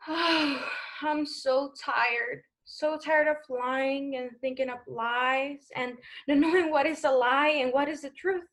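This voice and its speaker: A woman's voice: high-pitched, steady tone, takes it slowly, fairly bright tone, full character voice. A woman playing an anxious, seductive, manipulative femme fatale in a 1940s noir radio play, coy and dramatic in her delivery. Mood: weary, seductive. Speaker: voice actor.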